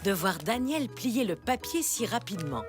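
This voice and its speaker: A woman's voice: medium pitch, sing-song, moderate pace, music in the background. A woman giving scripted storybook narration for a children's cartoon.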